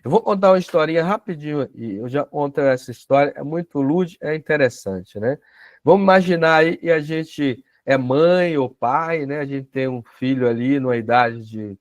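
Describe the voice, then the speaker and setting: A man's voice: medium pitch, normal speed, no room sound, clean studio sound. A man with a Brazilian Portuguese accent teaching a self-knowledge class in a conversational way, often adding tag questions and acting out little dialogues.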